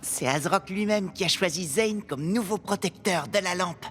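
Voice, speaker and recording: An actress playing a clever young inventor in a children's cartoon, explaining things precisely. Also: female voice, on the low side, moderate pace, a bit bright, breathy edge. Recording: music under the voice.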